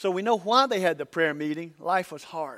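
A man with an unremarkable speaking voice talks at a fairly slow pace with lively intonation, on a very clean recording with a silent background. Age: 50s. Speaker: pastor. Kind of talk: sermon.

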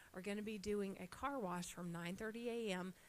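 A woman uses an ordinary speaking voice at a medium pitch. Her pace is moderate and her intonation fairly even. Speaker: church announcer. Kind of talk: announcements. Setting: church. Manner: casual, friendly.

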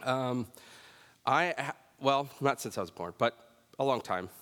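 With vocal fry and a bright, sharp tone, a man talks in an animated way. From Mexican-American family, US (Southern California). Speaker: pastor. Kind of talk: sermon.

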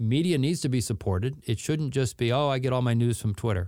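On a very clean recording with a silent background, a man speaks fairly quickly. He has an unremarkable speaking voice at a medium pitch. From Northern Virginia. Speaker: magazine editor. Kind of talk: interview conversation.

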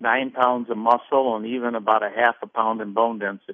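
A man with a medium pitch talks fairly slowly. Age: 60s. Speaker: caller. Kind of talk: call-in testimony. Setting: phone call. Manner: halting, many uh's.

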